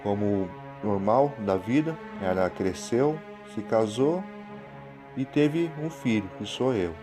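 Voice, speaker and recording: Brazilian male narrator, lowish voice, unpolished and plain, prominent music bed underneath. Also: animated, slow pace. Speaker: channel host and horror story narrator. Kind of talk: scripted narration. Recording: music behind the voice.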